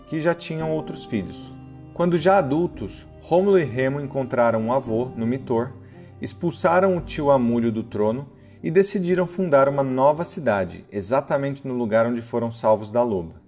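A man narrates a legend from a script in a mid-pitched, steady voice. His delivery is even and measured, in the manner of a storyteller. Soft plucked guitar plays faintly behind him. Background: soft guitar music.

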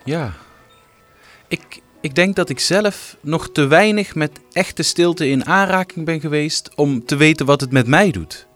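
A man presenting a documentary, calmly musing in scripted narration. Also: a little high, measured pace, soft background music.

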